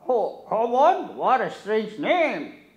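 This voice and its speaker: A man voicing a friendly uncle puppet who speaks only slow, simple English in a children's puppet show. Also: sits high, big pitch swings, exaggerated voice. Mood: puzzled. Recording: echoey, dull lo-fi room.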